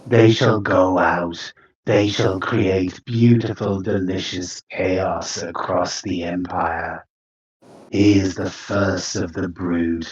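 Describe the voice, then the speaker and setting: A man voicing a female winged creature who hisses and schemes, speaking slowly and menacingly. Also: sits low, a little mellow, dull audio.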